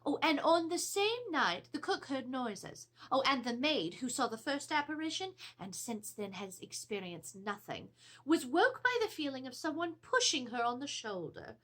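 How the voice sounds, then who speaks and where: A high-voiced, genteel Edwardian lady played by an actress frets her way through a ghostly letter. Her delivery is theatrical and formal, with pitch swooping expressively through each phrase. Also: sing-song, moderate pace, a bit bright, full character voice. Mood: fretful. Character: anxious, genteel Edwardian married lady reporting a haunting. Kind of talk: dramatic reading of a letter. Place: indoors, seated before a draped backdrop.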